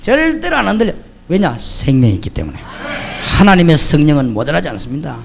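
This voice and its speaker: High-pitched pastor guy preaching, lively storyteller. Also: quick pace, creaky, a little hiss or hum. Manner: lively storytelling, acting out the voices of the people he quotes. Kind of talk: sermon.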